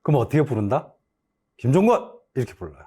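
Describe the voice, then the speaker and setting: Lively Busan-accented man lecturing. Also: a little high, normal speed. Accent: Gyeongsang (Busan). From Busan, South Korea. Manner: animated, asks the class questions and answers them himself. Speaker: exam-prep history lecturer.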